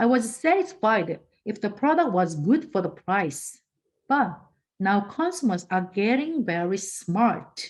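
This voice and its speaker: Speaking in a Korean accent, a woman uses a medium pitch and a somewhat breathy voice. She goes at a fairly slow pace with very wide pitch swings. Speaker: network marketing leader. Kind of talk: motivational presentation.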